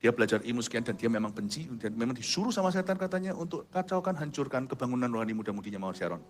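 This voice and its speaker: A middle-aged male pastor telling a testimony in a sermon, with vivid storytelling and sudden quiet asides. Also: mid-range voice, very animated, racing. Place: large church hall. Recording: reverberant church hall, soft music behind.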